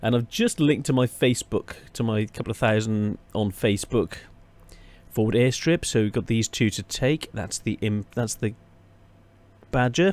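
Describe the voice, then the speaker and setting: With a British accent, a man speaks at medium pitch with ordinary pitch variation. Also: moderate pace. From Britain. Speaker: gaming YouTuber. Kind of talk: gameplay commentary.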